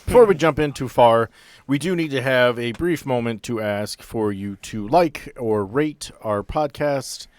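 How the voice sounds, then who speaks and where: A man's voice: mid-range voice, a little slow, dry recording. A man hosting a podcast as game master, chatting casually and jokingly.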